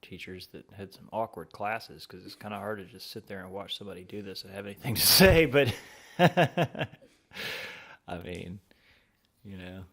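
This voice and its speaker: A man with a Southern US accent and a folksy old-gentleman drawl, making wry, casual commentary over an art video. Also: lowish voice, moderate pace, vocal fry. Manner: wry, joking.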